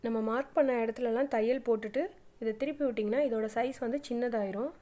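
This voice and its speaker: A woman's voice: a little high, steady tone, quick pace, mellow. A middle-aged woman, narrating a step-by-step sewing tutorial with plain, patient instructions. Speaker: craft channel host.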